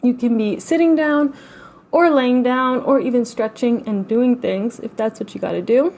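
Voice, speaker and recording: Woman gently guiding a slow meditation. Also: on the high side, slight background noise. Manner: gentle, unhurried, soothing with long pauses. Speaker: guided relaxation and meditation teacher. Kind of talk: guided meditation, slow instruction.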